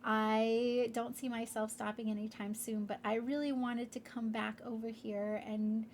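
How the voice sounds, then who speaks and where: A woman's voice: a little high, level tone, a little slow, darkish tone, slight background noise. A woman hosting her crafting vlog in a casual, rambling way, congested and a bit nasal. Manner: rambling, with many fillers. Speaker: crafting channel host.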